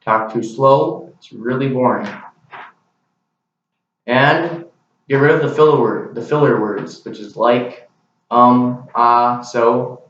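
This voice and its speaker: This young man's mid-range voice has a fairly bright tone, and he talks slowly, pausing often. He's a student giving an earnest, plain class speech to a camera. Captured on the camera mic, the sound is very echoey, distant and dull.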